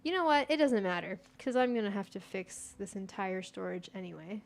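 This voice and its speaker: Speaking briskly in a creaky, medium-pitched voice, this chatty gaming streamer from the United States talks to herself mid-game and responds to her chat. She's a young woman whose first language is Persian, and there's slight background noise.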